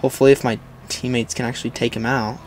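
A young man hosting a gaming video with casual, excitable live commentary and chatty asides to viewers. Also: mid-range voice, fast talker, slight background noise. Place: indoors, voice-over on game footage.

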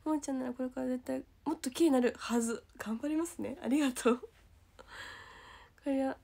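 High-pitched young woman, kansai accent, giggly livestream chat, sometimes whispers. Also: a little fast, creaky. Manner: giggly, bubbly, drops to soft whispers. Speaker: idol livestream host. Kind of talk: casual livestream chat reading comments.

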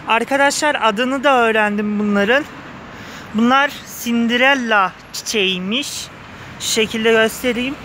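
A man's voice: very high-pitched, bright, forceful tone. A man speaking through a face mask, slightly muffled, giving an enthusiastic, gushing casual vlog commentary to viewers. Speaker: vlogger. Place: outdoors on a street pavement outside a flower shop. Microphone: handheld phone behind the camera. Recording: street noise with passing cars. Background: cars, outdoor urban ambience.

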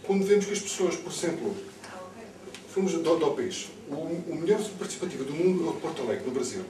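A man's voice: a little high, lively intonation, fast, warm tone. A middle-aged man from Lisbon with a Lisbon Portuguese accent, speaking off the cuff at a public political debate, emphatically repeating words as he builds his points. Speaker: candidate speaking on a panel. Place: bookshop-like indoor room with seated audience. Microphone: far camera. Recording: distant camera mic, echoey, noisy room.

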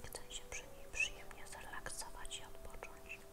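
A woman whispering casual, unhurried ASMR commentary as she plays a game, thinking aloud. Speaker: host of a relaxing gaming channel.

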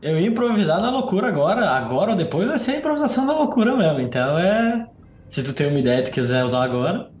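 A man's voice: high voice, sing-song, fast, darkish tone. A man player chatting casually at a tabletop game, nervous and joking. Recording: roomy lo-fi stream audio.

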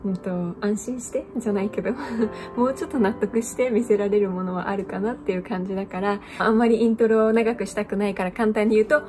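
A woman's voice: mid-range voice, fairly even intonation, fast, darkish tone. Young female vlogger, casual room-tour chat, handheld camera up close, music playing underneath. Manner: chatty, mixes in English phrases, many fillers. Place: small bedroom apartment indoors.

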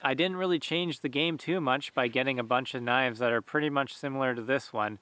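Bright, dry-sounding man in his thirties, easygoing outdoor vlogger, casual and filler-heavy. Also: mid-range voice, a little fast, no room sound. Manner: relaxed, conversational, lots of fillers. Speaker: bushcraft channel host. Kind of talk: casual talk to camera. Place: outdoors in a forest. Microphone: camera at close range.

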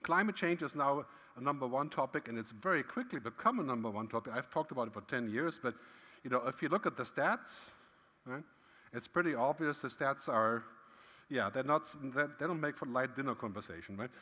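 A man's voice: medium pitch, expressive, fairly quick, bright, forceful tone. A middle-aged man giving a conference keynote on a large stage, talking in a conversational way with frequent "right?" tags and emphatic swings. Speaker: keynote speaker. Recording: long hall reverb.

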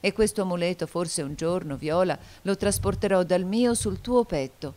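A woman voicing a mysterious man, a solemn and tender mystic, in an audiobook reading, speaking in a grave, measured way. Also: lowish voice, warm tone, close to an everyday voice.

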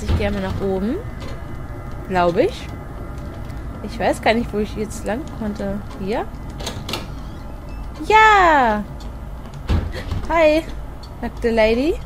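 Excitable woman narrating a horror game. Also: fairly high pitch, noisy background. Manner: excitable and chatty, talks to herself, swears. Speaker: let's play gamer.

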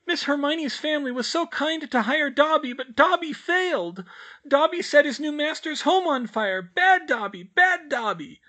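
Little male elf servant, squeaky high voice, distraught, self-blaming, third-person speech, storybook. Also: animated, moderate pace, pushed and bright, exaggerated voice. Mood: wailing guilt. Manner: speaks of himself in the third person.

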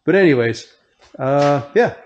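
A middle-aged man chats casually to his viewers through a lapel mic, his voice sitting a touch high for a man. He rambles easily, drifting off mid-thought and picking it back up, with a faint hiss of noise underneath. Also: measured pace, highs cut off. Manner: rambling, relaxed, trails off and restarts. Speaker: car builder and channel host. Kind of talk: casual behind-the-scenes vlog chat.

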